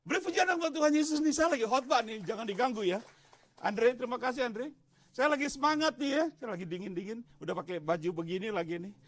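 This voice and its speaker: A man from Indonesia, a pastor, preaching a sermon in an animated way, rising into shouts and turning aside to talk to the congregation. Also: extremely high pitch, fast. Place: church.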